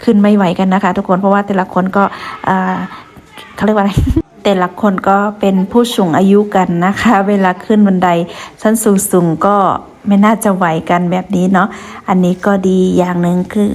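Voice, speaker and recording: A woman's voice: medium pitch, fairly even intonation, moderate pace, slight background noise. A woman from Kengtung hosting a vlog, chatting to viewers as she walks them around a hilltop pagoda outdoors. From Kengtung, Shan State, Myanmar. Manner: chatty, addresses viewers, many soft polite particles. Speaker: vlog host. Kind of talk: walking tour narration.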